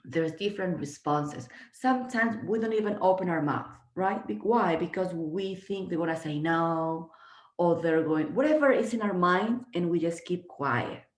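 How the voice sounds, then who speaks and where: On a video call, a guest trainer from Peru, a native speaker in her 50s, delivers a sincere motivational talk that halts often with fillers and restarts. The sound is roomy, and her voice is lowish.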